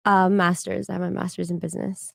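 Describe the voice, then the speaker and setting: A woman in her twenties, born in Israel and raised in Miami, chatting breezily as a podcast panel guest and quick to correct and joke. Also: on the low side, little pitch movement, gravelly, no room sound, studio quality. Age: 20s. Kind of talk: casual panel talk.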